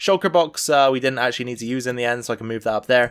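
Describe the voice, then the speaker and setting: A man speaks at a medium pitch and a very fast pace, in a very clean recording with a silent background. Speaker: gaming video creator. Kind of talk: gameplay commentary.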